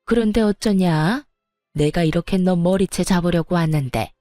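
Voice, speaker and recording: A woman's voice: fairly low pitch, moderate pace, mellow, dry recording, faint music behind, lightly acted. Woman acting as a spiteful, sneering mother-in-law. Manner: sneering, sarcastic, scolding. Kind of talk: storytelling narration with acted dialogue.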